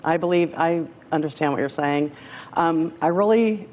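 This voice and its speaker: A woman appearing as a guest on a talk show, telling her story in a hesitant, halting way. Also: deep voice, darkish tone, dull audio. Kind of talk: emotional personal testimony.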